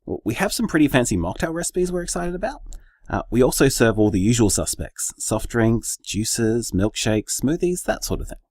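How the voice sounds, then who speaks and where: An actor playing an earnest gay bar co-owner in a radio drama interview, with an Australian accent and an articulate, measured manner. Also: male voice, mid-range voice, very animated, darkish tone, no room sound, clean studio sound.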